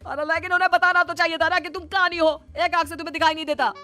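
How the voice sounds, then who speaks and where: A woman's voice: extremely high pitch, steady tone, rapid-fire, sharp tone, soft background music. A woman voicing a greedy young husband in a cartoon, speaking in a complaining, indignant way.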